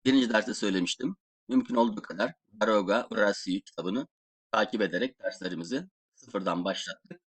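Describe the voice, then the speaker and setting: A man giving a slide-based language lesson, explaining slowly and repeating example words aloud. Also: lowish voice, breathy edge. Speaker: Russian language teacher.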